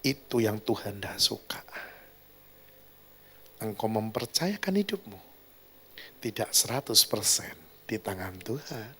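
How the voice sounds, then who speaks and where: A male pastor preaching a sermon in an animated way, swinging from loud to quiet and addressing the congregation directly. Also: on the low side, slightly rough. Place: church hall.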